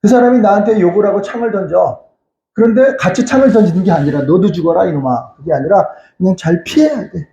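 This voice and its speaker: A male pastor delivers a sermon in a high, mellow voice that swings widely up and down. He poses questions and answers them himself, repeats phrases and calls out hallelujah. The recording is echoey and a little muffled, as in a church sanctuary. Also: expressive, fast talker. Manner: cries out hallelujah again and again.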